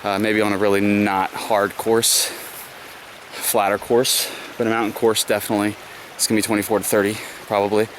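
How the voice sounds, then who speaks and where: A man's voice: lowish voice, level tone, brisk. Man vlogging while running, noisy outdoors. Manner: talking while running and climbing on a trail. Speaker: trail runner vlogging his run. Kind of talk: casual vlog commentary to camera. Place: outdoors on a rocky wooded trail. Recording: clear outdoor background noise.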